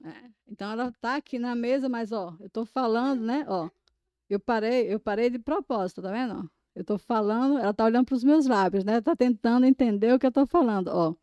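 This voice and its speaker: A woman's voice: fairly high pitch, brisk, warm tone, no room sound, highs cut off. A woman guest, an interpreter, explaining things in a demonstrative way with many small tag words. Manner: explanatory, demonstrative, peppers speech with "né" and "ó". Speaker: sign language interpreter, guest. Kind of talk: casual podcast conversation.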